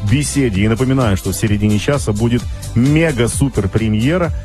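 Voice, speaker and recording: A man's voice: medium pitch, a little fast, darkish tone, faint music behind. A man hosting a radio talk show in the studio, chatty and teasing with his guests. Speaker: radio host.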